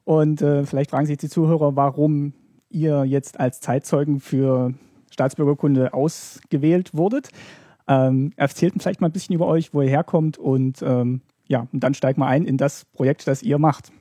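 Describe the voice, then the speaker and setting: A man's voice: fairly high pitch, steady tone, moderate pace, mellow, dry recording, clean studio sound. A man hosting a podcast interview, politely and somewhat hesitantly moderating his guests. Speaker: podcast host.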